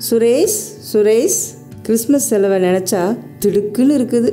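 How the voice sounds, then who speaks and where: Middle-aged woman, actress playing a hard-up mother, pleading and practical, very dark and mellow timbre. Radio drama. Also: a little high, moderate pace, soft background music, natural voice. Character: struggling mother, practical and tired.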